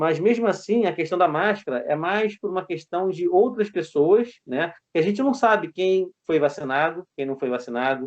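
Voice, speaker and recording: This man speaks at a moderate pace with hardly any pauses. His high voice has lively intonation. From Rio de Janeiro, Brazil (north zone, Ilha do Governador). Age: 50s. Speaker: nurse. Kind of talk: interview.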